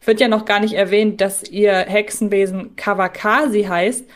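Woman, mid-pitched, podcast co-host, casual fan talk, reflective. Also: steady tone, moderate pace.

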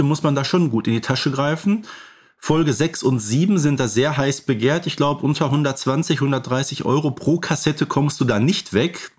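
A man's voice: mid-range voice, darkish tone. A middle-aged man explaining things casually as a podcast co-host. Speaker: podcast co-host and expert collector.

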